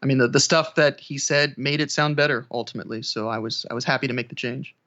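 A man's voice: medium pitch, little pitch movement, fast, pushed and bright, dull audio. A man chatting casually as a podcast guest, talking about his work as a narrator in a hesitant way with restarted phrases. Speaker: audiobook narrator and voice actor.

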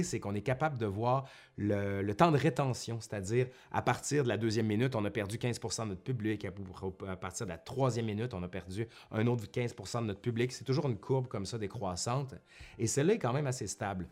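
This history YouTuber and university professor from Quebec speaks with a Québécois French accent in a fairly low, darkish voice, a little fast. Seated at home before a bookshelf, he delivers a casual vlog monologue, chatty, self-correcting and sprinkled with colloquial asides, much like a professor turned vlogger.

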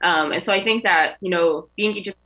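Young female student guest, bright and crisp, lowish pitch, thoughtful and articulate. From United States. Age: young adult. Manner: measured, articulate, frequent ums. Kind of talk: radio interview.

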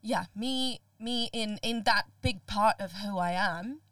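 Lively, laughing young woman from Sri Lanka. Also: mid-range voice, slow, dry recording, studio quality, recorded from a distance. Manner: animated, laughs often, restarts words. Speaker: guest. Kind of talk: casual podcast conversation.

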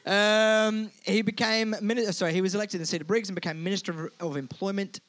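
A man's voice: high voice, steady tone, fast talker, fairly bright tone, no echo. A man co-hosting a podcast, telling a story in a playful, teasing, casual way. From United Kingdom. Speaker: podcast co-host. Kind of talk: casual comedic chat.

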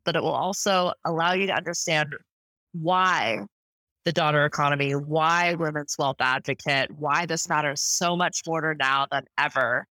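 Woman podcast host, effusive, rambling, lowish bright voice. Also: no echo. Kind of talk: enthusiastic interview introduction. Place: hotel room.

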